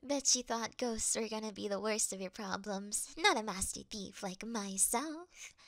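A woman's voice: mid-range voice, a little slow, a bit bright, no room sound. A woman playing a clumsy, cute young thief in an ASMR roleplay, stammering and acting tougher than she is while easily frightened. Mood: nervous bravado. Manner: stammering, flustered, falsely tough.

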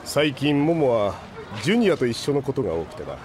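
A man playing a stoic, reflective older man with formal, deliberate phrasing in an audio drama. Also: mid-range voice, very animated, noisy background, lightly acted. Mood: stoic, pensive. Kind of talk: anime-style audio drama acting.

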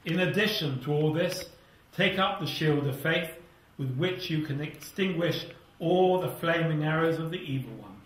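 Older British male preacher, fervent, drops to a hush at phrase ends; distant, very reverberant hall. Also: fairly high pitch, moderate pace, hardly any pauses. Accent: British English. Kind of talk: sermon with scripture reading. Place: small church hall with seated congregation. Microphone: lapel mic. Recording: echoey hall, somewhat far from mic.

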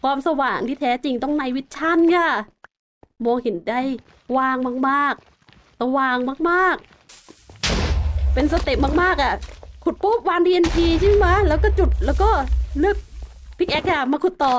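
High-voiced excitable woman gaming host. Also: measured pace, a little hiss or hum. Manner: chatty, excitable, explaining as she plays. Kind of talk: casual game commentary. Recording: background music under voice.

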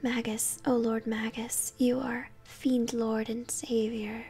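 A woman's voice: a little high, level tone, slow pace, mellow, faint music behind. Woman whispering as a reverent monster cultist. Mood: worshipful. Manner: reverent verse chanting. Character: fanatical monster cultist chanting to dark lord.

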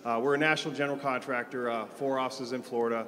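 Flat-voiced man, halting intro. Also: medium pitch. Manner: halting, many uh fillers. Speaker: construction general manager, panelist. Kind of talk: conference panel introduction. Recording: reverberant conference hall.

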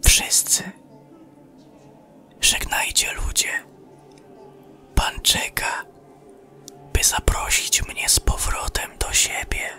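A man's voice: drawn-out words, pauses often, pushed and bright, faint music behind, full character voice. A man voicing an eerily serene, devout astronaut in a whisper, in an audio horror story.

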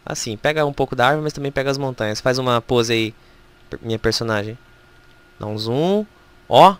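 A game streamer with a Brazilian Portuguese accent, excitedly commenting on gameplay during a live stream and talking straight to the game. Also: mid-range voice, fairly quick, smooth.

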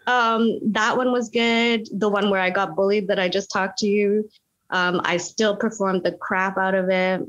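Woman from Canada, guest actress, chatty storytelling, filler-heavy, animated quoting. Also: medium pitch, a little slow, dull audio. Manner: animated, frequent "like" fillers, quotes people in voices. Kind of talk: casual interview storytelling.

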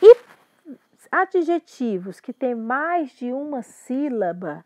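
A woman's voice: high voice, big pitch swings, takes it slowly, a little mellow, dry recording. A woman with a Brazilian Portuguese accent teaching an English grammar lesson, patiently explaining and often checking that students follow. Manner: patient, repeats and checks understanding.

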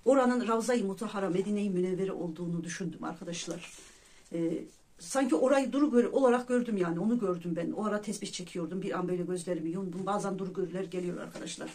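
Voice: medium pitch, quick pace, a little mellow. A vlogger earnestly telling viewers about their own dreams and visions, often addressing them as friends. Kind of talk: casual personal storytelling to viewers.

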